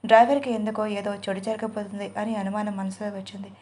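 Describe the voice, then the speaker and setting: A woman storyteller reading scripted narration for an audio drama in a steady, even manner. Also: medium pitch, quick pace.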